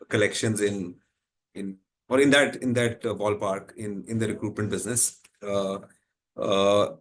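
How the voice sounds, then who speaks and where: A man with an Indian accent giving unscripted executive answers on an earnings call, rephrasing as he explains and tagging points with "right?". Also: on the low side. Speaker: company executive answering analysts.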